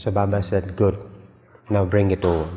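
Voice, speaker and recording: A man with an Indian accent speaks at a moderate pace in a fairly low pitch. Music can be heard in the background. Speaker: merchant seaman. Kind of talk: storytelling talk to a live audience.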